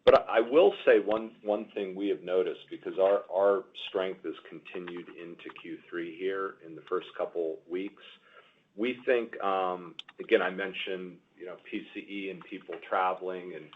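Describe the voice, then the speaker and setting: A man answering questions as a company executive on an earnings call, halting and repeating words as he explains. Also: sits low, steady tone, a little hiss or hum. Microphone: conference call line. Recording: muffled narrow-band conference call audio.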